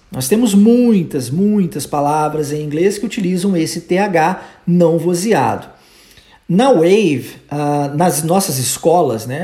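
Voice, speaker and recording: An English teacher with a Brazilian Portuguese accent, patiently explaining pronunciation and drilling short phrases slowly and repeatedly in a language lesson podcast. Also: mid-range voice, dark tone.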